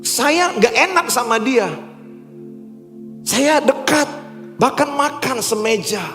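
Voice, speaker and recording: A male pastor preaching a sermon, swinging between loud emphatic lines and low quiet ones. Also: lively intonation, takes it slowly, faint music behind. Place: large church hall. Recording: echoey church hall recording.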